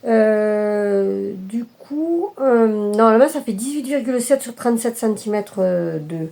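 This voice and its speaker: A woman's voice: a little high, lively intonation, unhurried, vocal fry, warm tone. A woman showing her cross-stitch work in a casual video chat, talking hesitantly with many fillers and self-corrections. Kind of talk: casual show-and-tell chat.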